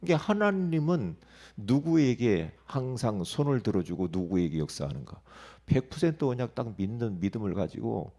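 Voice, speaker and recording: Gravelly, animated Korean pastor preaching. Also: male voice, lowish voice, moderate pace, few pauses. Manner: emphatic, lively preaching with rhetorical questions and sudden quiet asides. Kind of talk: early-morning sermon.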